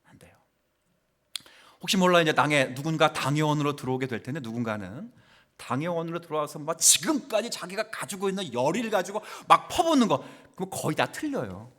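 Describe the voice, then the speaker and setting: A male pastor preaches in a church with a high, very animated voice. He questions his congregation directly and moves between forceful declarations and near-whispers. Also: a little fast. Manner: swings from loud exclamations to near-whispers, asks the congregation questions. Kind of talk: sermon. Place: church sanctuary.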